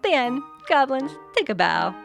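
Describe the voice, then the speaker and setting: Woman as a lively, high-voiced, slangy theatrical girl. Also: normal speed, creaky, faint music behind, full character voice. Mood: breezy storytelling. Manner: chatty, slangy, dramatic storytelling. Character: breezy, theatrical teenage girl student, loves acting. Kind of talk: audio drama comedy acting.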